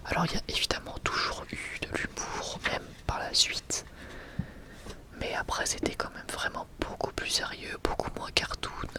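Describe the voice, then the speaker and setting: Whispered ASMR voice. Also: moderate pace. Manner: soft unvoiced whispering, hesitant and unscripted. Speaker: ASMR video creator presenting a manga collection. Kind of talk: whispered ASMR, casual presentation.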